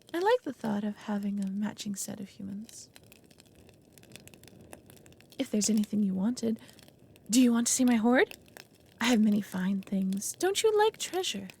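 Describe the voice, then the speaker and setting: A woman playing a lonely, creaky-voiced female dragon. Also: mid-range voice, darkish tone, slight background noise. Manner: halting, earnest, formal wording. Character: anxious, lonely, possessive female dragon, awkwardly smitten. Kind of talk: ASMR roleplay audio drama.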